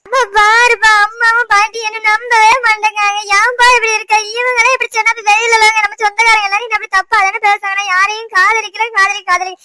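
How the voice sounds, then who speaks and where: A woman's voice: very high voice, flat delivery, sharp tone, no room sound. A woman voicing a tearful young village daughter with a Tirunelveli Tamil accent, pleading in a cartoon. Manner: pleading, drawn-out crying speech. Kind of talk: animated cartoon voice acting.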